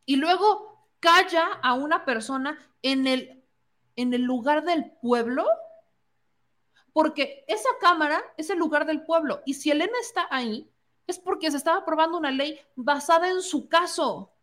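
A woman's voice: high voice, expressive, moderate pace, fairly bright tone. A woman with a Mexican accent giving opinionated political commentary, indignant and sarcastic, mocking the people she quotes.

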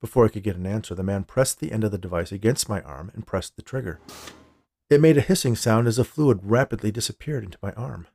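A man's voice: on the low side, fast, dark tone. A man reading scripted first-person fiction as a podcast narrator, close to the microphone. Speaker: writer, narrator and podcast host.

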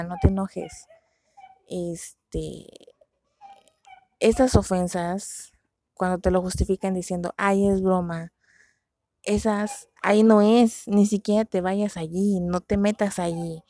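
A woman's voice: on the low side, creaky, dark tone, no echo. A young Mexican woman chatting casually about dramas and dating limits, slangy and self-mocking. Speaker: vlogger.

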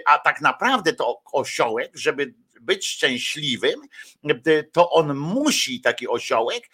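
A man's voice: fairly high pitch, sing-song, a little slow, pushed and bright, husky. A man giving casual, rambling live-stream commentary, with lots of hesitations and crude slangy asides.

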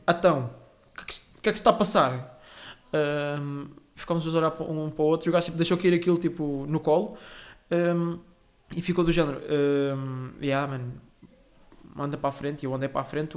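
A man's voice: a little high, level tone, quick pace. A young man, telling a rambling, swearing, self-correcting story as a podcast host. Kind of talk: casual solo storytelling.

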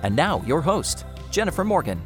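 A man's voice: a little high, sing-song, moderate pace, faint music behind. A man reading the scripted announcement that opens a podcast.

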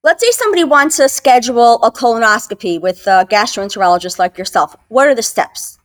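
A woman's voice: fairly high pitch, expressive, fairly quick. A woman hosting a medical interview, asking questions and confirming answers. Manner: inquisitive, confirming, friendly follow-ups.

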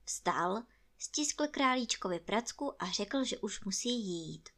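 A woman reading a children's storybook aloud in an expressive, animated way. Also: medium pitch.

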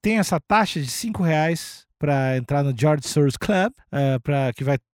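A man co-hosting a casual podcast chat, making mock-serious pitches as a running joke. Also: lively intonation, unhurried, clean tone, no room sound, clean studio sound. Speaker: podcast co-host.

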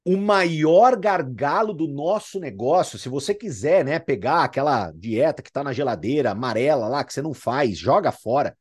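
A man's voice: mid-range voice, animated, normal speed, hardly any pauses, breathy edge. A male sales mentor with a Brazilian accent gives a fired-up motivational talk. He hammers his points home with emphatic repetition, pressing the same phrase again and again. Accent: Brazilian Portuguese.

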